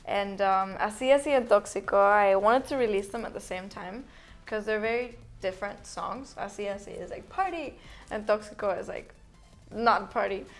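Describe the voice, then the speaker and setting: Young woman singer, guest, Finnish-born, chatty and upbeat, mid-pitched voice. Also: moderate pace, soft background music. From Finland. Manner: upbeat, laughs often, says "like" a lot. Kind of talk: casual interview answers.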